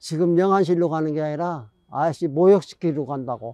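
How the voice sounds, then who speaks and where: The dark, mellow voice moves at a moderate pace, recorded dry and close with no echo against a quiet background. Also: man. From rural South Korea. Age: 70s. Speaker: elderly man telling his life story. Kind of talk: casual life-story interview. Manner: casual, repetitive filler words.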